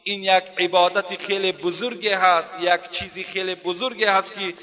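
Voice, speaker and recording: A man preaching a storytelling sermon, speaking to his listeners as dear brothers and slowing down to recite Arabic phrases. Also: sits high, little pitch movement, pushed and bright. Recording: long hall reverb.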